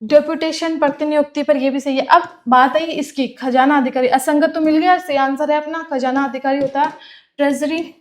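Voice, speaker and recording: A woman with a high, steady voice speaks at a normal pace in a classroom lecture. She's teaching for a clerk exam, repeating terms to explain them and posing questions she then answers herself.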